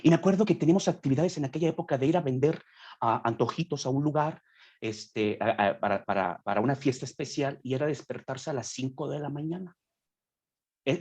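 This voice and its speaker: A man's voice: on the high side, a little mellow, husky. A young man speaking as a guest on a podcast, preaching earnestly and acting out quoted voices as he explains a point.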